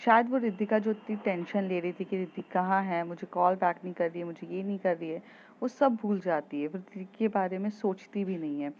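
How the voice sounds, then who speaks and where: A woman's voice: on the low side, steady tone, a little fast, a little hiss or hum. A woman telling a love story in a chatty, casual way, with fillers and repeats, on a dull lo-fi recording.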